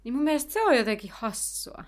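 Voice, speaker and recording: A woman co-hosting a podcast, casually retelling a book chapter in a chatty way full of fillers. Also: fairly high pitch. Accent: Finnish. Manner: chatty, many fillers, lively summarizing. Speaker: podcast co-host.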